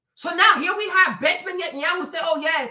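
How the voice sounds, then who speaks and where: An animated woman speaks at a fairly quick pace in an extremely high pitch. Her voice is raised and projected, with a bright, sharp tone. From West Africa. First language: French. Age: 30s. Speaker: streamer. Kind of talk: livestream commentary.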